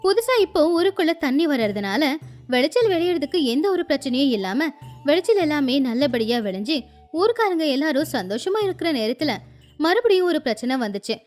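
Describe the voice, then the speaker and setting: High, lively woman storyteller. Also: brisk. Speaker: narrator. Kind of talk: storytelling narration. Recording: faint music behind.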